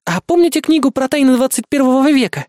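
A narrator voicing an excitable, eccentric young woman who chatters eagerly in a high voice. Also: quick pace, no room sound, studio quality. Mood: indignant.

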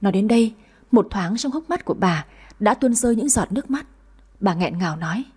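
A woman's voice: mid-range voice, expressive, brisk, darkish tone, husky. A woman reading a romance story aloud, narrating and voicing every character herself. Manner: reads every character herself, shifting tone for dialogue. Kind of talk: storytelling narration with voiced dialogue.

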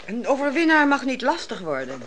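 A woman's voice: high-pitched, big pitch swings, a little fast, a bit bright, a little hiss or hum. An actress playing a shrewd, authoritative female leader in a Dutch radio play, coolly calculating and decisive.

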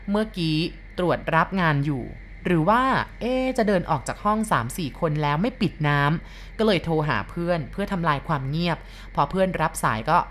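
Lady narrating a ghost story, chatty, kinda low voice, acts out the quotes. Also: a little hiss or hum. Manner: polite particles, lively acted-out quotes.

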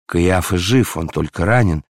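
A man's voice: sits low, measured pace, no room sound, clean studio sound, voice pushed down. A man reading aloud and voicing an earnest young man comforting his beloved. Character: hot-tempered man, tender toward his beloved.

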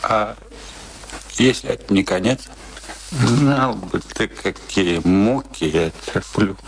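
An actor in a radio play playing an ailing, stubborn, embittered old soldier, gruff and scornful, afraid of death. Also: male voice, on the low side, slow, a little hiss or hum. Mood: weary, fearful. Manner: gruff, scornful, theatrical outbursts.

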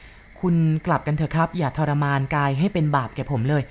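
A hoarse, weary man, resigned and gloomy, as a woman reads him. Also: low voice. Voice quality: hoarse, dry voice. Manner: slow, subdued, resigned.

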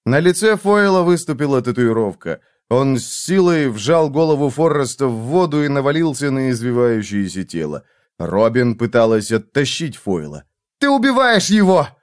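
A man narrating an audiobook in a tense, expressive reading style. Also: mid-range voice, normal speed, clean tone, dry recording, clean studio sound.

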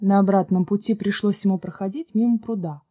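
A woman reads a fairy tale aloud, calm and measured. Her voice sits in a middle range. The sound is dry and close. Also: medium pitch, no room sound. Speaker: storyteller.

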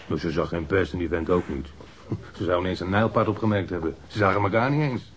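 A man's voice: sits low, brisk, slight background noise. An actor playing an evasive street mugger in a radio drama, defensive and rambling as he answers police questions in slangy, hesitant speech. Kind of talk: naturalistic radio drama acting. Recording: dull lo-fi radio recording.

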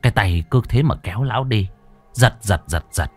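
A man narrating a folk story in a lively, earthy way. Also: fairly low pitch, normal speed, soft background music.

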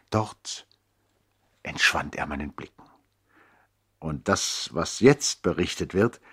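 Deep, husky storyteller. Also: male voice, exaggerated voice. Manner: measured, expressive storytelling. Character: reflective adult brother recounting childhood memories. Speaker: narrator. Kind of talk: literary radio play narration, 1960s.

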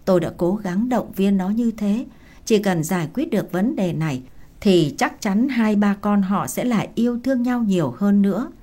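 Mellow-voiced woman narrating a story. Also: mid-range voice, lively intonation, normal speed. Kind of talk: first-person audio story narration.

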